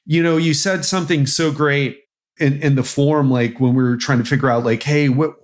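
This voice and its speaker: A man hosting a podcast, introducing his guest in an upbeat, enthusiastic way. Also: medium pitch. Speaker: podcast host. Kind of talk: podcast interview.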